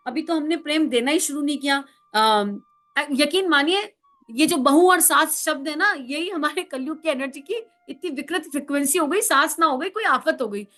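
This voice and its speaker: A woman's voice: sits high, bright, forceful tone. A woman counsellor giving a spiritual talk, emphatic and full of rhetorical questions, now and then acting out family members.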